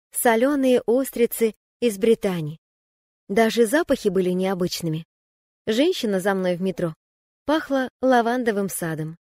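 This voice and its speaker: Woman reading a memoir audiobook, calm and even, middle pitch, dry close sound. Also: no echo. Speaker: audiobook narrator. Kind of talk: first-person memoir reading.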